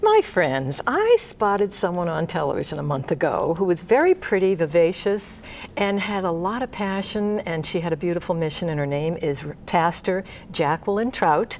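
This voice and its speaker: Woman, talk show host, effusive, chatty, slightly low voice, faint background hiss. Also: sing-song, moderate pace, a little mellow. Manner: chatty, effusive, interjects often. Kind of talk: casual interview chat.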